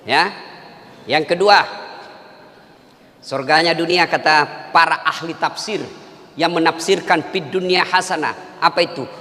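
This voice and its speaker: A man preaching a humorous sermon, emphatic and joking, sometimes raising his voice to a shout. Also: on the high side, unhurried, long pauses. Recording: long hall reverb.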